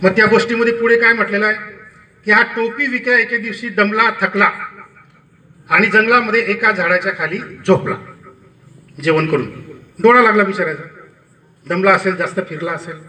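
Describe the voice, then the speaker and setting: A man at an outdoor village campaign rally, telling a folk tale to the crowd in a lively storytelling manner. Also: high voice, normal speed, long pauses, distant mic, rough recording. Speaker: campaign speaker.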